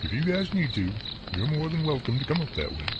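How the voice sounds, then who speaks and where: A man's voice: a little high, huge pitch swings, quick pace, dull audio. A man playing a friendly, polite visitor at a night campsite. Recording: loud cricket night noise.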